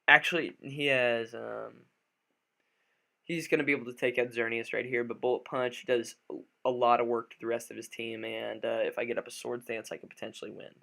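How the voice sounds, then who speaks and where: A man with a slightly raspy, just-woken-up voice, talking through a game live with many fillers and restarts. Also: medium pitch, level tone, fairly quick, bright, forceful tone. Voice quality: a little raspy. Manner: thinks aloud with frequent fillers and restarts. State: just woke up. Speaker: gaming commentator. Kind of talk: live gameplay commentary.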